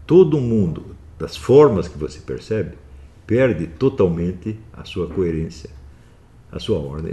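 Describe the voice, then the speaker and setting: A man's voice: low-pitched, warm tone. A man lecturing his students in an emphatic, scolding way, often adding tag questions. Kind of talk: philosophy lecture.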